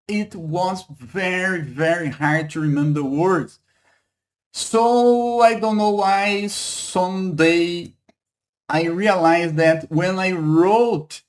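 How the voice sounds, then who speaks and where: Brazilian guy teaching hebrew in english, slow and halty, kinda high voice, keeps asking okay? right?. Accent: Brazilian Portuguese. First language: Portuguese. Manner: halting, repeats words, asks "okay?" and "right?" often. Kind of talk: online language lesson.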